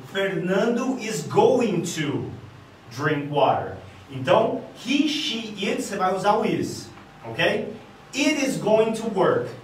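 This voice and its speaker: A high-voiced Brazilian man teaches with punchy emphasis, drawing out each example phrase. He sounds set back from the mic in a very echoey room, with faint ambience behind him. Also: far from the mic, a little hiss or hum. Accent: Brazilian Portuguese. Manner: emphatic, repeats "guys", drills examples slowly. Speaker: English teacher. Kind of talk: energetic video lesson.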